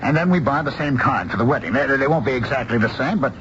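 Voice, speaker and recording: A man acting in a radio drama as a troubled middle-aged father, earnest and halting as he tries to reassure and take charge. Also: medium pitch, fairly bright tone, close to an everyday voice. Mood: soothing. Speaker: actor playing the father. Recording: muffled, noisy 1970s radio broadcast.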